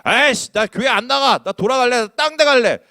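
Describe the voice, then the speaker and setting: A wailing grown man, fed up and despairing, as a preacher acts him out. His voice jumps high and loud. The sound is dry and close. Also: lively intonation, a little fast, no room sound. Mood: sulky. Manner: wailing, exasperated. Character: whining, despairing complainer, adult man.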